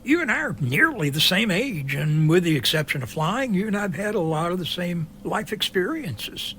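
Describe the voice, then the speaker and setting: Easygoing, nosy middle-aged pilot male actor, slightly high voice, wry chatter, faint noise behind. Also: big pitch swings, normal speed, fairly bright tone. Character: easygoing, curious older helicopter pilot. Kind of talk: amateur audio drama dialogue.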